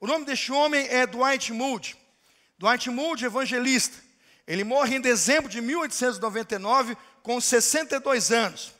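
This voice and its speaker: A man preaching a sermon in a large church, telling a story dramatically and rising to shouted climaxes. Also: very high-pitched. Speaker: pastor. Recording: long hall reverb of a church.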